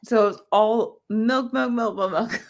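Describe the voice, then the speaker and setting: A woman's voice: a little high, unhurried. A woman in her thirties chatting on a podcast, laughing often as she talks. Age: 30s. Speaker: podcast guest. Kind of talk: casual chat.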